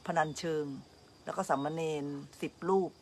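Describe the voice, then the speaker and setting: A woman meditation teacher giving a relaxed, chatty dhamma talk, telling stories with frequent laughter. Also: moderate pace, a little hiss or hum.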